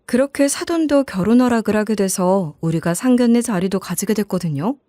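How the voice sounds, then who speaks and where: A woman's voice: mid-range voice, animated, a little fast, warm tone, no echo, clean studio sound. A woman narrating a scripted first-person family story in the role of a mother.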